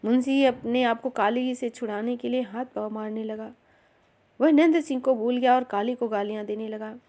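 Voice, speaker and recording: A woman reading a novel aloud in an even, measured storytelling manner. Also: on the high side. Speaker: narrator.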